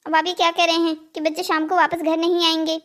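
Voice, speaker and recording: Very high-pitched worried mother played by a woman. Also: level tone, fast. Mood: worried, reproachful. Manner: pleading, reproachful. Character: anxious, pleading mother and wife. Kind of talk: scripted cartoon story dialogue.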